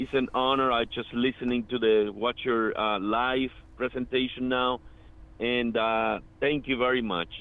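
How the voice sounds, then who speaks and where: Monotone, flat intonation from a man at medium pitch, speaking at a fairly slow pace. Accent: Spanish. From Caribbean. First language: Spanish. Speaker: caller. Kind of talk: call-in conversation.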